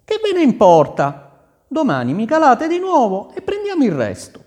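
Man voicing young girl, storybook heroine, high pitched, eager, bouncy. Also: wildly swooping pitch, normal speed, a little mellow, in a large hall, full character voice. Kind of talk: storybook reading.

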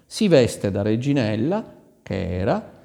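Male storyteller, lively melodic reading, mellow tone, echoing hall. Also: fairly low pitch, slow, creaky. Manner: expressive, theatrical storytelling. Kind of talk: reading a fairy tale aloud.

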